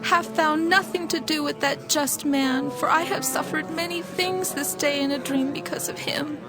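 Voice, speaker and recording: A woman's voice: high voice, steady tone, moderate pace, over music, close to an everyday voice. A woman playing a troubled, pleading governor's wife in a dramatized scripture reading.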